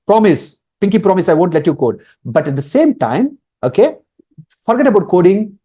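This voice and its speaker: Warm and slightly rough, this very animated high voice belongs to an Indian instructor with a Telugu accent, Telugu being his native language. Speaking at normal speed in an informal webinar, he repeats points emphatically and keeps checking in with "okay" and "right."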